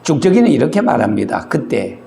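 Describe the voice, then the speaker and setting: A male pastor preaching a sermon, dramatic and emphatic, swinging between loud and soft. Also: mid-range voice, big pitch swings, brisk, gravelly, roomy sound.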